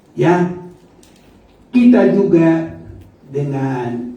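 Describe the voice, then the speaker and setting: A man speaks with lively intonation, and audible room echo surrounds his voice. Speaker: preacher. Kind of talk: sermon. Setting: church service.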